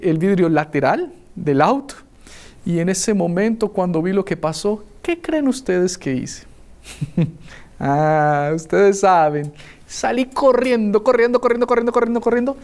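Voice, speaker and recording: A man from Colombia preaching a sermon, telling a childhood story with lively acted-out voices. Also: high voice, unhurried. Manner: animated storyteller acting out voices.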